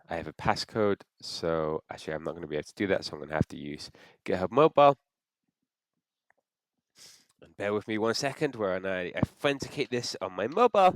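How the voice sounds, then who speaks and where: A man's voice: low-pitched, no room sound. Congested man walking through a setup. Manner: thinks aloud with frequent restarts. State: congested from a cold. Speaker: software tutorial presenter. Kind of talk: screen-recorded how-to walkthrough.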